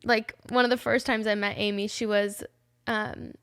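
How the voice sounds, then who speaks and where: A young woman in her twenties hosting a faith podcast, talking casually and warmly with lots of "like" fillers. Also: medium pitch, level tone, normal speed, smooth. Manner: chatty, many "like" fillers, emotional. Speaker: podcast host. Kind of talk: casual heartfelt chat.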